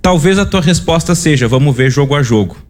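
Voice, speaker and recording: A Brazilian man, a sports reporter putting a measured question to a coach at a press conference. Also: fairly high pitch, animated. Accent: Brazilian Portuguese.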